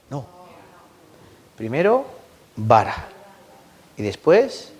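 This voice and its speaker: A man preaching a sermon as pastor, often asking the congregation questions. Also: mid-range voice. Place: church.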